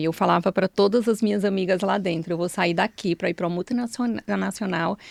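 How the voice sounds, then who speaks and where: Speaking with a Pernambuco accent, a woman talks at a moderate pace in a fairly low pitch. The recording is very clean, with a silent background. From Brazil, Recife (Pernambuco). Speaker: former corporate marketing executive, entrepreneur. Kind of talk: interview conversation.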